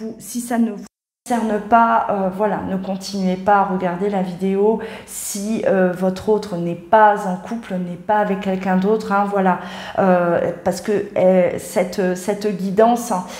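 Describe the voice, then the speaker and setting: Audible room echo surrounds speech delivered at a very slow pace with monotone, flat intonation. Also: woman, medium pitch for a woman. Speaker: tarot card reader. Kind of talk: tarot reading to camera. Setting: home office. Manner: loud; hesitant, many fillers. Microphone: echoey room sound.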